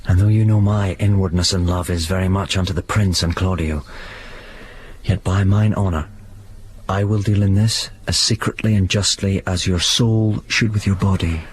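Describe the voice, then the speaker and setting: An actor playing a witty young nobleman, earnest and courtly, speaking Shakespearean lines in a husky voice. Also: low voice. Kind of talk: Shakespearean verse acting.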